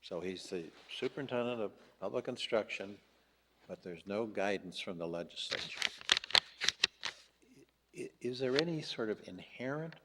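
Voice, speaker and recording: Judge from the bench: slow and gravelly, probing questions, courtroom reverb with faint background hiss. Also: male voice, fairly low pitch. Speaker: justice questioning counsel. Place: large courtroom.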